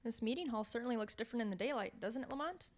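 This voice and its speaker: A woman's voice: fairly high pitch, expressive, racing, natural voice. An actress playing a detective's nervous, loyal lady companion in a radio mystery, earnest and polite. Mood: uneasy, polite. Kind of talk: old-time radio mystery acting.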